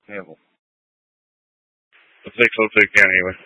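County responder man calling in over a two-way radio: clipped, tense and bright, pitched somewhat low, dull dry channel. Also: flat delivery, moderate pace, no room sound. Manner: clipped radio call-outs. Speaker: county emergency unit on the radio. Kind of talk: radio traffic.

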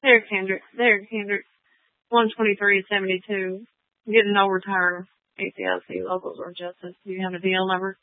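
A woman's voice: mid-range voice, little pitch movement, a little fast, no room sound. A woman police dispatcher speaking in clipped radio codes over a police radio transmission. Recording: tinny radio channel, dry.

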